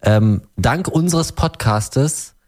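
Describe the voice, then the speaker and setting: A man's voice: mid-range voice, lively intonation, darkish tone. Easygoing male podcast co-host from Berlin. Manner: easygoing, halting with fillers. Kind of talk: casual radio podcast chat. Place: radio studio.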